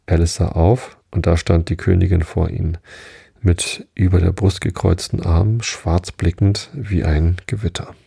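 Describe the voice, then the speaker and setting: Deep, gravelly bedtime story reader. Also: male voice, level tone, dark tone, no room sound, studio quality. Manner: slow and soothing, stumbles on long sentences. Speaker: podcast host and reader. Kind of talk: calm bedtime story reading.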